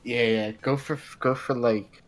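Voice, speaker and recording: A man's voice: mid-range voice, fairly even intonation, unhurried. A man playing a tabletop roleplaying game, bantering casually over a noisy mic with clicks.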